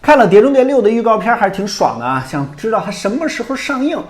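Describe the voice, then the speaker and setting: Male tech review host: brisk, lively-pitched scripted narrator with a playful, wry edge.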